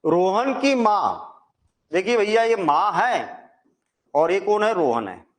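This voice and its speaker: High-voiced man teaching maths. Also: lively intonation, slow pace. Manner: chatty, reassuring, asks and answers own questions. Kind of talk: Hindi maths lesson.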